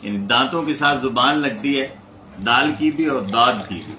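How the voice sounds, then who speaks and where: A man's voice: mid-range voice, pushed and bright. Man teaching recitation in an echoey room. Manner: patient, demonstrates sounds by repeating them slowly. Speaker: religious teacher. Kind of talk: spoken lesson on Quranic recitation. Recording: echoey room, faint insect noise.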